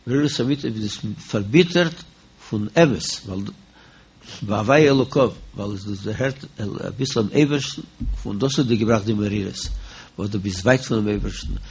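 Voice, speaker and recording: A man's voice: on the low side, moderate pace, slight background noise. A man giving a spoken religious discourse as a teacher of Hasidic thought, repeating phrases and posing and answering his own questions.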